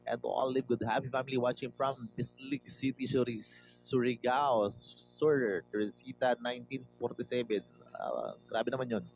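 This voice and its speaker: A Filipino livestream host casually greets viewers by name and reads their comments aloud, freely switching between Tagalog and English. His voice is medium-pitched and gravelly, a little slow, over dull lo-fi audio with faint music.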